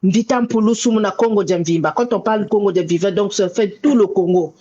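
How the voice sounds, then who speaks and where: A woman's voice: medium pitch, brisk, dark tone, husky, lo-fi sound. A woman hosting a casual live video chat, talking emphatically, repeating herself and mixing in Kikongo words. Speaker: host of a live show. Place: in America.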